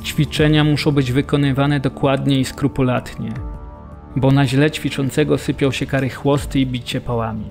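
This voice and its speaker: A male actor plays a camp prisoner giving grim testimony in a radio play. His medium-pitched voice is full of fry. Music plays softly behind him. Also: steady tone, moderate pace, lightly acted. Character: male camp prisoner describing punishing drills. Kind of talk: dramatised documentary narration of survivor testimony.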